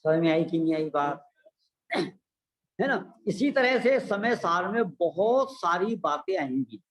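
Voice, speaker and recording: A man teaching scripture to a class, his voice sitting high for a man. He talks slowly and deliberately. He keeps checking with his listeners and repeats key phrases to drive them home. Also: expressive. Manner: asks listeners rhetorical check-in questions. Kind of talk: religious discourse to a class.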